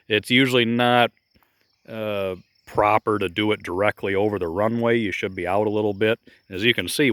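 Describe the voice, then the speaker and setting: A man's voice: lowish voice, fairly bright tone. Chatty man rambling outdoors on a phone. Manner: rambling and chatty, with many fillers. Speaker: model airplane club member giving a field tour. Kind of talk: casual walking tour narration. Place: outdoors at a grassy flying field. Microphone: phone held while walking.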